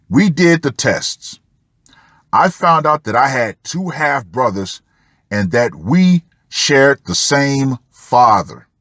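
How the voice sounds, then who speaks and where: A man narrates a written personal account at a very slow pace. His delivery is dramatic and drawn out, with pauses between phrases. The sound is dry, with no room around the voice. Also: mid-range voice, fairly bright tone, no echo. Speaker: host of a commentary channel. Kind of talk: reading a personal post aloud with asides.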